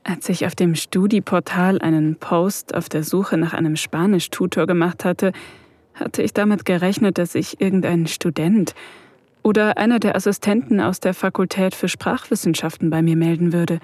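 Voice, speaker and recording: Actor: young researcher, first-person inner voice, middle pitch, intimate and observant, dry close mic. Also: steady tone, moderate pace, a little mellow, no echo, lightly acted. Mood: confiding.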